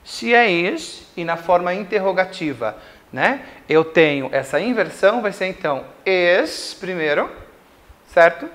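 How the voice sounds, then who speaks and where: A Brazilian man teaching English grammar in a recorded school lesson, explaining slowly with repeated examples and checks like "certo?". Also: high voice, expressive, a bit bright. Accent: Brazilian Portuguese.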